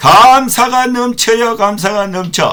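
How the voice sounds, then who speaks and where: Raised, projected male speech, bright and sharp in tone. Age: 60s. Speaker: pastor. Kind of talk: sermon.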